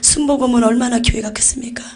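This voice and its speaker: A woman's voice: a little high, steady tone, fast talker. A woman giving an intense religious testimony about visions, often dropping to a near-whisper. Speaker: testimony giver.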